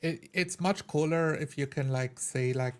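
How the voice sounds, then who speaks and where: A man's voice: on the high side, unhurried, darkish tone. A man talking casually as a player in a tabletop roleplaying game. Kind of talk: casual chat about game rules.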